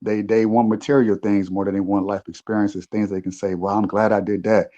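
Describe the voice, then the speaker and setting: A man's voice: fairly low pitch, flat delivery, brisk, dark tone, lo-fi sound. A man in a casual podcast chat, talking reflectively, with frequent restarts. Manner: reflective, rambling with many restarts. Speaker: podcast co-host.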